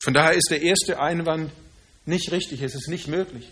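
A man preaching a sermon in earnest, slowing down to stress key phrases. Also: fairly high pitch, sharp tone, husky.

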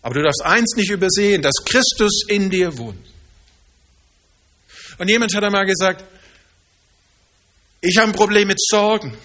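A man preaching a sermon in earnest, slowing down to stress key phrases. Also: high voice, bright, forceful tone.

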